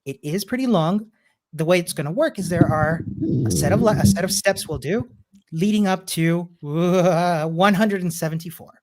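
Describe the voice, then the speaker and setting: Encouraging co-host man from Chile. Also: high voice. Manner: warm, encouraging, quick affirmations. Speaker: bootcamp co-host. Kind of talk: casual livestream lesson.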